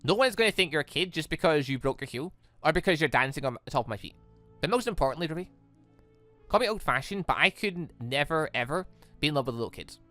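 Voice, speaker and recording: A man voicing a calm, devoted young gentleman from a visual novel, gentle, earnest and reassuring. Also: on the high side, fast, faint music behind. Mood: earnest, tender.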